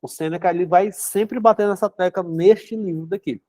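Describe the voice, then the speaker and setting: A man's voice: high voice, normal speed, a little mellow, no echo. Stuffy-nosed man chatting. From São Luís, Brazil. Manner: chatty, filler-heavy, frequent "né?". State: congested with a cold, runny nose. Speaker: psychotherapist hosting a book club. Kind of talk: casual live-stream talk and reading aloud.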